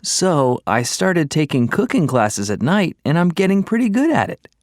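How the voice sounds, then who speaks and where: A man's voice: on the high side, very animated, normal speed, no room sound, clean studio sound. A man playing a young office worker who talks casually and upbeat about his plans.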